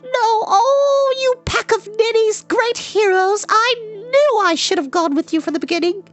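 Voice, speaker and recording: A man's voice: extremely high pitch, very animated, normal speed, fairly bright tone, faint music behind, voice pushed up, heavily acted. A man voicing a spirited, talkative young girl who teases and scolds. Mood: exasperated.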